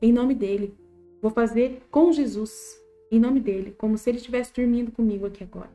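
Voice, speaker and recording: Brief: Brazilian woman, higher voice, chatty faith teacher, soft music faint behind. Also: fairly quick. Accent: Brazilian Portuguese. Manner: animated, repetitive, acts out little quoted scenes. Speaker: Catholic study group teacher. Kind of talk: informal religious teaching.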